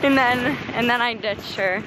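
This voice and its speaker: A woman's voice: a little high, unhurried. A woman in her early twenties with an American accent, chatting casually and bubbly as a vlogger, often saying "like". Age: early 20s. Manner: bubbly, informal, frequent "like". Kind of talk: casual chatty vlog with a friend. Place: open lakeside beach, outdoors. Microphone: camera held at arm's length. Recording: very windy outdoor handheld camera audio.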